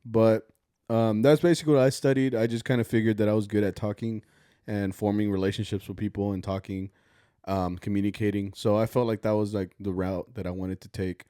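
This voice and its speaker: A young man with a low, mellow voice talks easily on a podcast, rambling a little with fillers as he goes. The sound is dry and close. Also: fairly even intonation, brisk, clear, resonant tone, no room sound. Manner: easygoing, talkative, rambling with fillers. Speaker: podcast co-host. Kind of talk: casual podcast chat.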